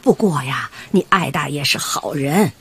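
A woman's voice: sits low, lively intonation, a little slow, gravelly, husky, exaggerated voice. An actress playing a chatty, doting old grandmother with a Beijing accent in a radio drama over background music. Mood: soothing. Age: older.

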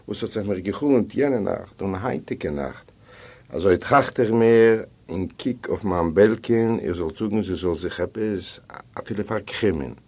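A man whose first language is Yiddish reads a story aloud in his own low voice. He tells it theatrically, jumping up and down in pitch as he acts out the other people. The recording sounds dull and lo-fi. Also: unhurried, dark tone. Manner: theatrical, voices each character in the dialogue. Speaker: audiobook reader. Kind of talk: expressive first-person storytelling.

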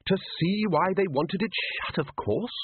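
A man voicing a blustering, bossy older male head wizard in a loud, pompous way. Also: high voice, a little slow, husky, no echo, voice pushed up. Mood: impatient. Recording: tinny phone-like band.

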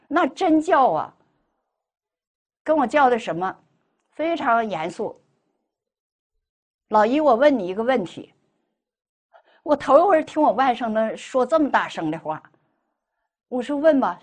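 A middle-aged woman tells a personal testimony as a Buddhist lay speaker, acting out the dialogue she quotes. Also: high-pitched. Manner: animated, acts out quoted dialogue.

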